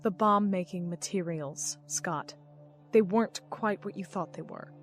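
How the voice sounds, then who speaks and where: An actress playing a secretive, condescending woman in command in an audio drama, measured and controlled. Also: fairly low pitch, faint music behind, close to an everyday voice. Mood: cool, knowing.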